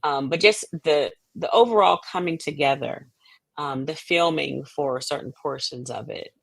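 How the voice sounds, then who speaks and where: A woman's voice: deep voice, normal speed, creaky, no room sound, low-quality recording. A middle-aged American woman answering interview questions as a guest in a reflective, explanatory way, often checking that she is understood. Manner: reflective, explanatory, often checks with "you know what I mean". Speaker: guest, playwright and stage director.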